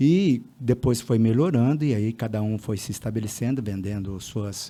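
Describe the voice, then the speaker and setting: Slow-paced but not sluggish, a man speaks with a dark, mellow tone and ordinary pitch variation at a fairly slow pace. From Olímpia, São Paulo state, Brazil. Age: 60s. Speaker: physical education teacher and physiotherapist. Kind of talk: interview.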